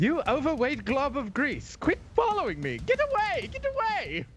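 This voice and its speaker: A put-on character voice at a moderate pace, with clear background noise. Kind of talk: table read of a script.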